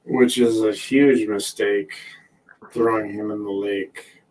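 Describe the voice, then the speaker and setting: Brief: man, podcast co-host, relaxed and jokey, faint background noise. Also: lowish voice, slow, distant mic, poor audio. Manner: laid-back, joking, swears casually. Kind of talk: casual movie-review chat.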